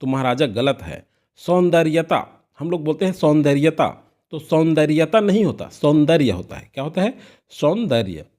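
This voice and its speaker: Higher-pitched man teaching a lesson. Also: sing-song, moderate pace, darkish tone. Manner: asks and answers his own questions, repeats key words. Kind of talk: exam-prep lesson.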